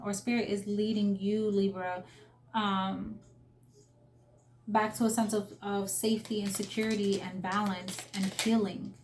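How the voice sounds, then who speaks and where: A young woman talks through a tarot spread in a loose, conversational way. She sounds earnest and heartfelt, stopping to restart her sentences and filling the gaps with little verbal fillers. Her voice sits at an ordinary middle pitch. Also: a little mellow, echoey room. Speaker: tarot reader. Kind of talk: casual spoken tarot reading.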